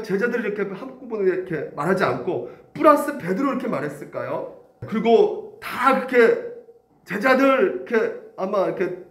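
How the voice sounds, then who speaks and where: A man's voice: sits high, reverberant. A man preaching a sermon as pastor, asking the congregation questions and acting out quotes. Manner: animated, acts out quotes and asks the congregation questions. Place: church sanctuary.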